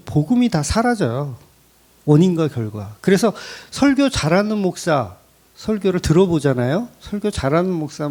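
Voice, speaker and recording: A man preaching a sermon as a pastor, speaking conversationally and asking his congregation questions. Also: high-pitched. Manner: lively, rising emphasis. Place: church.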